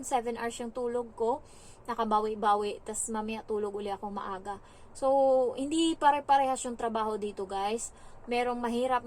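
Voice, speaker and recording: A young woman from the Philippines, a domestic helper telling stories in a casual vlog, chatty and animated with lots of fillers. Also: fairly high pitch, a little hiss or hum.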